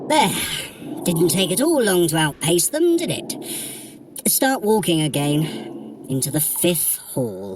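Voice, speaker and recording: A man's put-on character voice, high-pitched and smug in tone, at a fairly slow pace with long, frequent pauses. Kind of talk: fitness app audio drama. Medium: audio drama. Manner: arch, dryly sardonic, smug.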